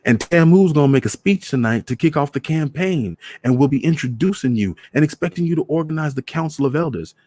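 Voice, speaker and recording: A man voicing a gentle but reproving grown son who admonishes in a methodical, embarrassed way. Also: a little high, expressive, fairly quick, hardly any pauses, no echo, studio quality, voice pushed up. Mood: admonishing.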